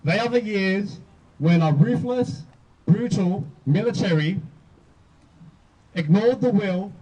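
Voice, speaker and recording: Young man, twenties, measured rally speech, darker tone, distant outdoor recording. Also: high-pitched, animated, mellow, breathy edge. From Australia. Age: 20s. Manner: measured, deliberate phrasing in short clauses. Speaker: youth speaker at a rally. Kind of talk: public speech.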